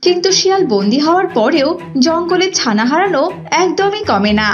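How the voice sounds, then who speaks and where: High-pitched, lively woman storyteller. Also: a little fast, muffled recording. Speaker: narrator. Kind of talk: scripted children's story narration. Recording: music behind.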